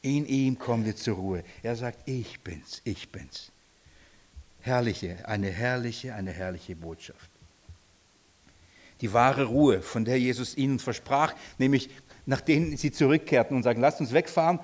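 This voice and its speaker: A man preaching a sermon, swinging between emphatic declarations and hushed, quiet lines, often asking his listeners direct questions. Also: mid-range voice, moderate pace. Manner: dynamic, swings from loud emphasis to hushed near-whispers; addresses congregation directly with questions.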